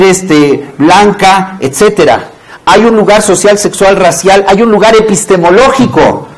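A high-voiced man teaches a workshop with plenty of animation. He jokes with the room and keeps addressing his listeners as comrades. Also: rough recording. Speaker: workshop instructor. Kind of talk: lively classroom lecture.

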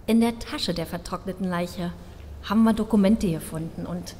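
A woman's voice: lowish voice, moderate pace, mellow, a little hiss or hum, natural voice. An actress playing a flippant female crime scene investigator in an audio drama, casual and a little sardonic. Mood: matter-of-fact. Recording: reverberant hall, music underneath.

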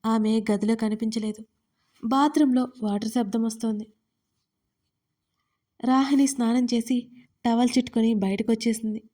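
Woman storyteller, warm mellow tone, slightly high, steady expressive reading. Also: moderate pace, pauses often. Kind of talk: audio story narration.

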